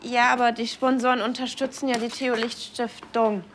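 A woman's voice: a little high, little pitch movement, moderate pace, a little hiss or hum, close to an everyday voice. A young woman acting as a nervous, earnest character in a naturalistic TV drama, speaking in a fretful, conversational way.

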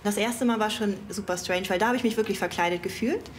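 A woman pastor in her thirties speaks in a plain, open and reflective way, at an everyday pitch. Her talk is relaxed and conversational, with a faint hiss of background noise. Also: fast. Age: 30s. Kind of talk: casual interview talk.

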